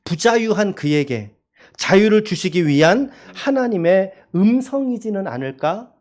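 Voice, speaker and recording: A male pastor preaching a Sunday sermon in a church, asking the congregation questions and reading scripture slowly. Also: high-pitched, expressive, a little mellow. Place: church sanctuary.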